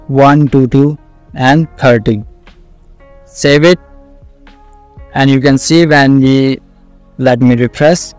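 Slow, clear South Asian man teaching. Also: medium pitch, darkish tone, no room sound. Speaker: coding tutorial instructor. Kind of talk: screen-recorded tutorial, explaining step by step.

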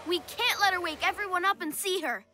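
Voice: extremely high pitch, a little fast, sharp tone, heavily acted. A performer voicing a sensible, take-charge young boy superhero in a children's cartoon, earnest and urgent. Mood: determined. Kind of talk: animated children's cartoon acting. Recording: music under the voice.

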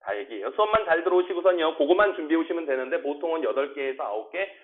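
A male teacher running a classroom English lesson, drilling pronunciation and asking quick check questions. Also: fairly high pitch, expressive. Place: small classroom. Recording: tinny phone-like classroom recording.

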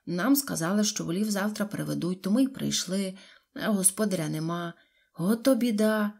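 A man's voice: high-pitched, animated, moderate pace, vocal fry, darkish tone, exaggerated voice. A woman voicing a chatty male villager who rambles in folksy sayings in an audiobook. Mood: rambling.

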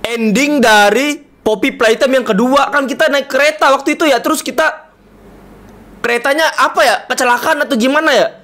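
This Indonesian gaming streamer has a very high, sharp voice and speaks at a normal speed. Playful and chatty, he keeps up casual live commentary on his game while calling out to viewers all the time.

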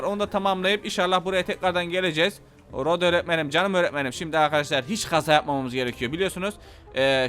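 Excitable man, high voice. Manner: excitable, swings from shouting threats to calm muttering. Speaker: gameplay YouTuber. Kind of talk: casual gameplay commentary.

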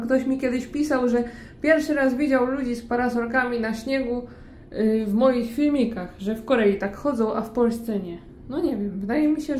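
Holding her phone out at arm's length, a woman from Poland in her thirties vlogs outdoors beneath an umbrella on snowy city streets. Her slightly high, somewhat mellow voice carries chatty, playful, self-mocking talk, while faint street sounds and passing cars murmur behind her.

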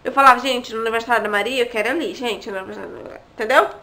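Chatty high-voiced woman vlogging. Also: very fast, sharp tone. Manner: chatty, asides to viewers, frequent tag questions. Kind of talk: casual chat to camera.

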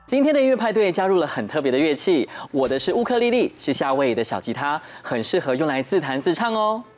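A man's voice: fairly high pitch, sing-song, fast. A young man with a Taiwanese Mandarin accent presenting a children's show, talking playfully and simply as if to toddlers. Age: young adult. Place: TV studio. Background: music.

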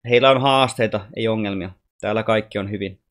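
A man voicing a wise, gentle alien boy who teaches calmly and patiently. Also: on the low side, close to an everyday voice. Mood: gently teaching.

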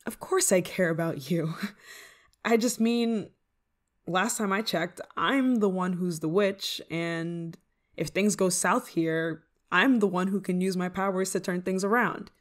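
A woman's voice: on the low side, measured pace, lightly acted. A woman playing an eager, affectionate, scatterbrained novice witch in an ASMR roleplay, coaxing the listener in a giggly manner. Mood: defensive, insistent. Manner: giggly, coaxing, hesitant asides. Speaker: roleplay voice performer.

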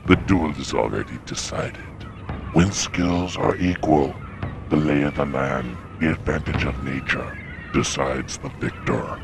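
A man playing a stern, commanding old samurai clan master in an animated drama, speaking with slow, imperious weight in a gravelly voice. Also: very deep voice, background noise, heavily acted. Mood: menacing, confident. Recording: prominent music behind the voice.

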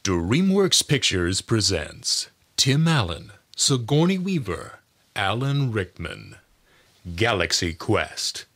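A young man voicing a grand, dramatic movie trailer announcer with drawn-out, theatrical promo delivery. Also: on the low side, wildly swooping pitch, fairly bright tone, heavily acted. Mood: grand, promotional. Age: young adult. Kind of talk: announcer impression, trailer voice-over.

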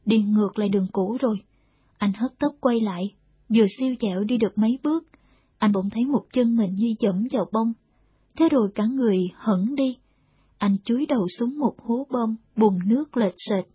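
A woman narrating a war novel in a steady, measured storytelling read, in a dull lo-fi audiobook recording. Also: a little high, slightly rough, no echo.

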